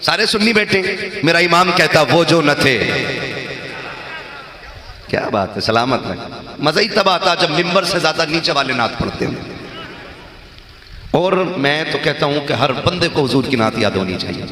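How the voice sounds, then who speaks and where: A man preaches to a live crowd, teasing them and leading call-and-response slogans. His voice is bright and cutting, and it rings through a big echoey hall over a PA. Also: fairly high pitch, big pitch swings, normal speed. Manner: banters with the crowd and calls out slogans for them to answer. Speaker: religious speaker. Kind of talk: sermon to a live gathering.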